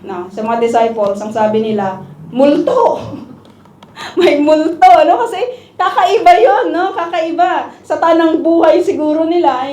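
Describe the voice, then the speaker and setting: A woman's voice: a little high, darkish tone. A woman preaching a conversational Bible study sermon to her congregation, often checking in with the group as she talks. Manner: chatty, asks the group "di ba?" and "no?" often. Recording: echoey room recording.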